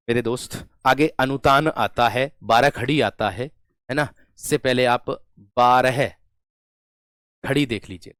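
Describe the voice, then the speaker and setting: A young adult man teaching an exam-prep lesson, repeating key terms and dictating notes, moving between loud emphatic bursts and quiet dictation, and calling his students friends. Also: mid-range voice, no room sound, clean studio sound. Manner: repeats key terms, drills phrases slowly, checks in with students. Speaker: Hindi teacher.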